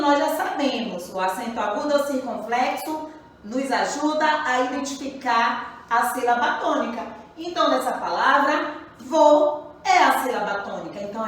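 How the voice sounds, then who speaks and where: A woman's voice: sits high, a bit bright, heavy reverb, recorded from a distance, poor audio. A woman teaching a grammar lesson to children, patient, often checking in with her pupils. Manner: slow, patient, repeats questions to pupils. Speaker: primary school teacher.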